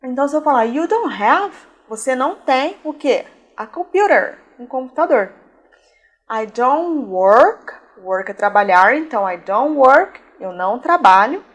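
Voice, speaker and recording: A Brazilian English teacher, a native Portuguese speaker, patiently explains a beginner English lesson and slows down for model sentences. Her voice sits high and she sounds animated.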